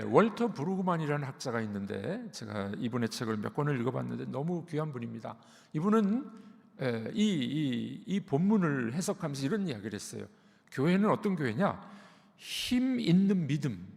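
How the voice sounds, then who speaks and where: A man's voice: a little high, gravelly, long reverb tail. A man giving a sermon as pastor, explaining patiently and repeating key words. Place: church sanctuary.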